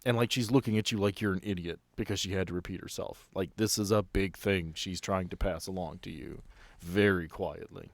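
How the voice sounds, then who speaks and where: Male game master, horror tabletop session, casual storytelling, lowish pitch, very little room sound. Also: steady tone, brisk, gravelly, no echo.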